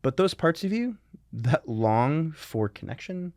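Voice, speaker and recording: A man's voice: fairly high pitch, very animated, measured pace, a little mellow, dry recording. A man co-hosting a podcast as a recovery coach, talking reflectively in a conversational Christian teaching style.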